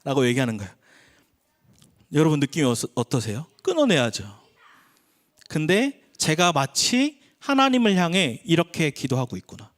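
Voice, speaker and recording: Pastor, male, 30s, raised voice, animated sermon delivery with conversational asides. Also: normal speed. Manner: conversational preaching, acts out quoted voices with shifts in pitch. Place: church sanctuary.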